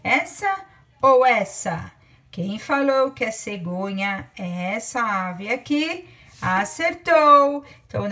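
Young children hear words dictated by a Brazilian woman teacher who counts aloud and slowly drags out every word. She has a Brazilian Portuguese accent, a fairly high pitch, and a fairly bright tone.

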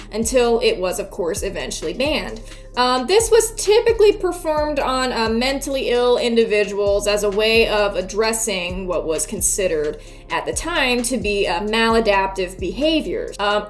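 Girl in her 20s, kinda high voice, wry sweary youtube commentary, bit of music behind. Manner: wry, sardonic, casually sweary. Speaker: YouTube video essayist. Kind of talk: casual scripted video commentary. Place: small indoor room before a green screen. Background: background music.

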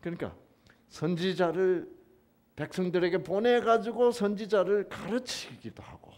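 A man's voice: sits high, steady tone, unhurried, darkish tone. A man retelling a Bible story as a lecture, firing off rhetorical questions to his listeners. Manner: keeps asking rhetorical questions. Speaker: health lecturer teaching the Bible.

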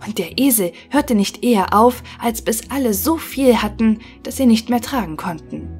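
Calm woman reading a fairy tale. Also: fairly high pitch, soft background music. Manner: calm, measured storytelling. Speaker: narrator.

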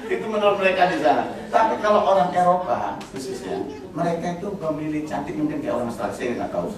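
A middle-aged male pastor with a fairly high voice tells funny stories from the pulpit, chuckling through his own jokes and calling out to his listeners. He sounds distant and washed in heavy hall echo. The congregation murmurs and laughs behind him. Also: sing-song, quick pace, a crowd in the background. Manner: jokey, laughing often, addresses the congregation directly. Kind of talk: humorous sermon storytelling. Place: church hall at a revival meeting. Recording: very echoey hall, voice from far off, congregation audible. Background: congregation noise and laughter.

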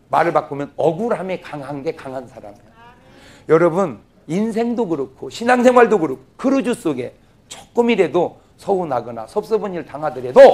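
A male pastor giving a humorous, animated revival sermon. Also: a little high. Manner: animated, joking, acts out scenes.

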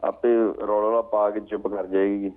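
A man's voice: fairly low pitch, flat delivery, moderate pace. A man calling in to a chat show, joking and repeating himself, often ending with a questioning "huh?". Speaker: regular phone-in caller. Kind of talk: casual chat. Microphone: telephone. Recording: tinny phone line.

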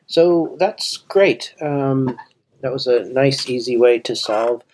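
Slow, thinking-aloud male coding tutor. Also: mid-range voice, darkish tone. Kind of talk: screen-recorded coding walkthrough.

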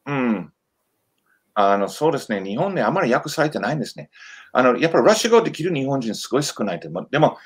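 An American man whose first language is English, co-hosting a casual live-stream chat in halting, non-native Japanese with frequent restarts. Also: on the high side, slightly rough. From United States. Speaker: co-host, history researcher.

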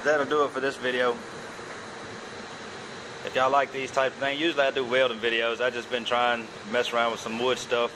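A man's voice: mid-range voice, little pitch movement, fairly quick. A man, casually narrating his own woodworking project in a plainspoken, self-deprecating, rambling way. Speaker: hobby welder and woodworker. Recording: noisy outdoor recording with air conditioning and traffic hum.

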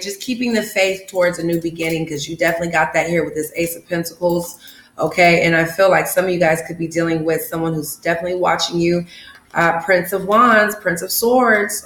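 A woman's voice: lowish voice, a bit bright, reverberant, rough recording. Casual, profane woman reading tarot. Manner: casual and profane, frequent "okay?" check-ins. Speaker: tarot reader.

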